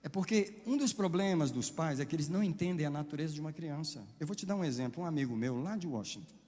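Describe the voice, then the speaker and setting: A man preaching a sermon as a pastor, impassioned, with dramatic swings between loud and soft. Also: a little high, animated, fast, in a large hall.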